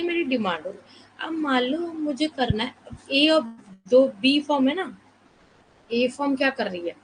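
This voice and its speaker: Soft-spoken woman teaching at a slow pace. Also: high voice, a little hiss or hum, rough recording. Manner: soft, unhurried explaining, many rhetorical questions. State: fasting, low energy. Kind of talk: live online lesson.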